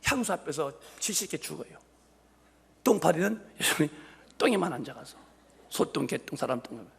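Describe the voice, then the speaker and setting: A man's voice: on the high side, lively intonation, moderate pace, gravelly. A man in his fifties preaching a humorous sermon as a pastor, joking and firing rhetorical questions at the congregation. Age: 50s. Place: church sanctuary.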